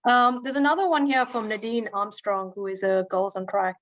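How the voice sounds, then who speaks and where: A woman's voice: medium pitch, fairly even intonation, moderate pace, a bit bright. A woman moderating a webinar, reading out audience questions in a friendly way. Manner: friendly, reads questions aloud.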